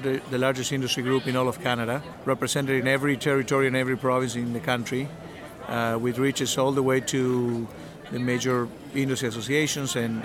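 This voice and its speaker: A middle-aged man from Argentina answers interview questions in a measured, halting way, full of fillers and restarts. His voice sits in an ordinary middle register. A loud crowd murmurs behind him at what sounds like a busy event. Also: mid-range voice. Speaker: industry association representative.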